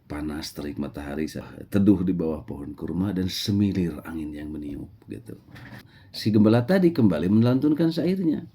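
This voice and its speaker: Dark-voiced man with a Sundanese accent. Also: sits low, lively intonation, moderate pace, breathy edge. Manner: conversational, with tag fillers and mixed Sundanese words. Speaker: religious lecturer. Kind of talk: storytelling religious lecture.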